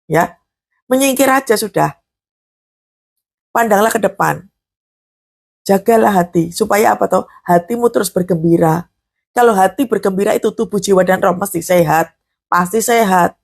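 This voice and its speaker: A woman preaching a morning devotional with a Javanese-inflected accent. Her voice is gravelly and a little husky. She talks conversationally, asking questions and then answering them herself. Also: mid-range voice, normal speed, long pauses. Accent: Javanese-inflected Indonesian. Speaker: preacher and counselor.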